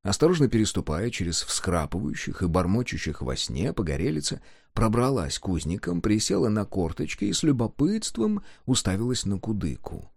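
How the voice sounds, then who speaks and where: A man narrating an audiobook in an expressive storytelling manner. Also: lowish voice, moderate pace, gravelly, hardly any pauses, no echo, studio quality.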